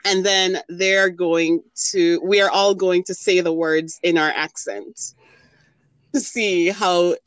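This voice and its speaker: A woman's voice: on the low side, steady tone, slow, no room sound. A woman from Jamaica co-hosting a casual talk show, chatty and laughing often as she leads a game. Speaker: podcast co-host. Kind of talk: casual chat.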